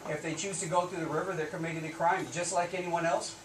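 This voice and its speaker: Higher-voiced male border officer, echoey and distant. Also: fairly even intonation, quick pace. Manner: border officer's earnest, insistent, plain-spoken argument. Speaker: Border Patrol agent being interviewed. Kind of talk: live news interview answers. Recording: roomy echo, distant mic, faint noise.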